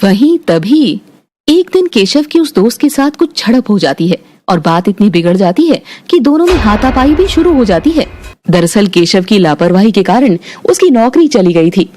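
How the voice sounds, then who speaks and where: A woman narrating a cartoon story in a steady, matter-of-fact way. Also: medium pitch, moderate pace, slight background noise.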